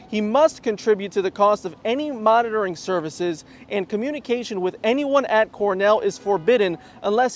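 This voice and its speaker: High-pitched male TV news reporter. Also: slight background noise. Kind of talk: scripted news report narration.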